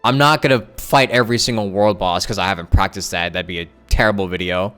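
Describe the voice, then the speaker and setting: Male streamer, low smooth voice, informal and rambling, talking to viewers over faint music. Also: quick pace, pushed and bright. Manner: rambling, thinking aloud, self-correcting. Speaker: live streamer and content creator. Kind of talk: casual livestream chat with viewers. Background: background music.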